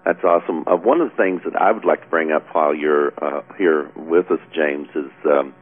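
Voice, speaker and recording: A man's voice: very deep voice, a little fast, soft background music. A man co-hosting a call-in webcast, speaking in an upbeat, encouraging way. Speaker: co-host. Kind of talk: casual call-in talk. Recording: tinny phone-line sound.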